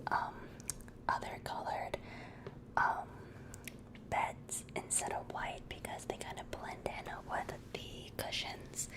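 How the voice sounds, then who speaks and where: A woman hosting casual ASMR, whispering gently to her listeners. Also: rough recording. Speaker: ASMR streamer and host. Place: dimly lit room indoors.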